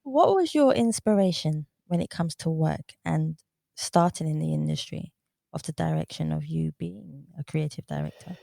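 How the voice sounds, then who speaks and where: A woman's voice: sits low, lively intonation, normal speed, gravelly, dark tone, no echo, clean studio sound. A woman hosting a podcast interview, earnest and effusive as she asks her guest questions. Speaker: podcast host.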